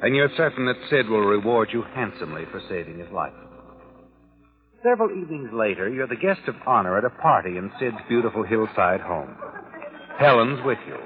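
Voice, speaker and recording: An actor playing an ominous, all-knowing narrator who taunts in 1940s radio drama style. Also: male voice, fairly low pitch, sing-song, fairly quick, phone-quality sound. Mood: knowing, taunting. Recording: band-limited old radio recording, music behind.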